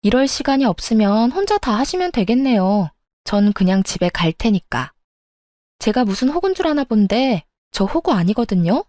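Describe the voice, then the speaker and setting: A woman acting a defiant young wife, sharp retorts, mellow tone, dry close sound, story radio drama. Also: a little high, sing-song, moderate pace, no room sound. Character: fed-up defiant young wife, standing her ground.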